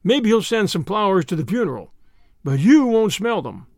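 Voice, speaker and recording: A cocky young American man, acted by a male narrator, drawls his threats with cheerful menace. His voice is fairly high for a man and very animated. It is storybook dialogue, recorded dry. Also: normal speed, dry recording. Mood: cool menace. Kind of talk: dramatised audiobook dialogue.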